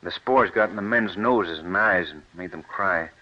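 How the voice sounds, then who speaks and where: A man's voice: low voice, moderate pace, close to an everyday voice. An actor playing an earnest, stubborn young man who gives up his university job to farm, in a 1940s radio play. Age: young adult. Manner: earnest and intense. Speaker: young scientist turned farmer. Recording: muffled old radio recording.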